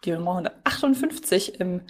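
A woman's voice: lowish voice, expressive, brisk, darkish tone. A woman hosting a podcast from home, talking in a wordy, conversational, explanatory way. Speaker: podcast host. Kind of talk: conversational fan podcast discussion. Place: at home, on a remote link.

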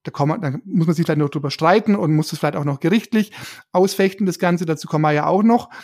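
A man from Germany with a high-pitched voice talks as a podcast co-host. He explains in a casual, colloquial way, acting out small everyday remarks to make his point. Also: fast, a little mellow.

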